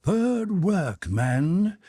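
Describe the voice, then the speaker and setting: A man's voice: sits high, very animated, very slow, mellow, no room sound, clean studio sound, voice pushed up, full character voice. A man voicing a blunt, jovial Canadian whaler in an audiobook, with a folksy, teasing, skeptical way of talking. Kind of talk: audiobook character dialogue.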